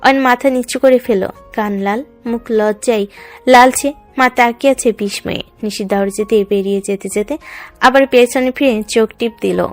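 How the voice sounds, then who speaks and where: A woman's voice: a little high, normal speed, soft background music. A woman reading scripted narration for a romance story in a dramatic, descriptive way.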